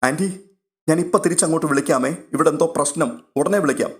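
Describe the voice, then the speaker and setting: A man voicing a caring, eager young woman in an audio story, asking quick concerned questions. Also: a little high, lightly acted.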